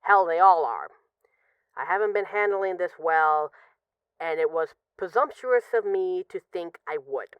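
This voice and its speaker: A close, dry, slightly muffled recording of a woman acting as a lovesick female mafia boss on an intimate phone call in an audio drama. Her voice is lowish and swings expressively. She is guarded yet vulnerable, confessing haltingly. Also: expressive, smooth, no room sound. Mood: weary, wry. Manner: halting, confessional, with pauses and sighs. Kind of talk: intimate scripted audio roleplay, one side of a phone call.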